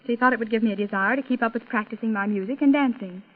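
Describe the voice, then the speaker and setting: An eighteen-year-old woman from Salt Lake City chats modestly with an interviewer, her voice sitting fairly high. The sound is thin and tinny, like an old radio broadcast heard over a phone line. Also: very fast. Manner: modest and chatty, with light laughs. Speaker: interview guest, contest champion.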